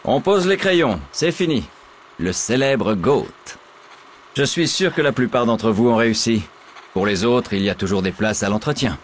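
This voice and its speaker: A man's voice: medium pitch, expressive, moderate pace, a little hiss or hum, close to an everyday voice. A man voicing a dry vault teacher proctoring an exam. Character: middle-aged male vault teacher giving an exam. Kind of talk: game character dialogue.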